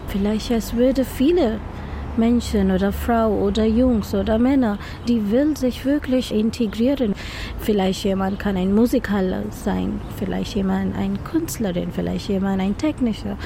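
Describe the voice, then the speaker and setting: Bengali-speaking woman in her 30s, careful non-native German, mellow tone, slight noise. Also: medium pitch. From India. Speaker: interviewee, artist.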